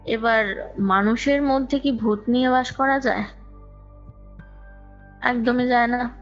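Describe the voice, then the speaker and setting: High-voiced Bengali woman on a muffled call. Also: steady tone, slow pace. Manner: talkative, repeats phrases for emphasis, mixes in English words. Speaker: guest recounting own ghost experience. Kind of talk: conversational personal storytelling. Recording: dull lo-fi call recording, music underneath. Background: music.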